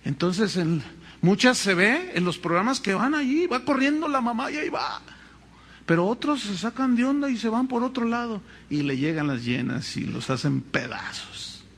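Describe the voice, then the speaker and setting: A Mexican man preaching a sermon as pastor, with animated, dramatic storytelling. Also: high-pitched, moderate pace, husky.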